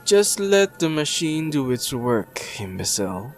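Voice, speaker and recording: Man playing a slow, cold, arrogant villain doctor. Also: fairly high pitch, big pitch swings, soft background music. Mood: contemptuous. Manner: clinical, deliberate, condescending. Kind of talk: ASMR audio roleplay acting.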